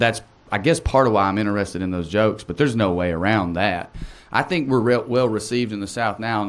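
Here a man speaks with an Appalachian accent in a fairly low voice. His pace is fairly quick and his pitch variation ordinary. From Appalachian Tennessee. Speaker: comedian. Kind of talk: casual chat.

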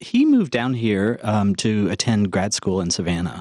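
The speech moves at a moderate pace over a quiet background, with a dry, close sound and no echo. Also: man. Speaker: author. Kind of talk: radio interview. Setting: remote studio. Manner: halting.

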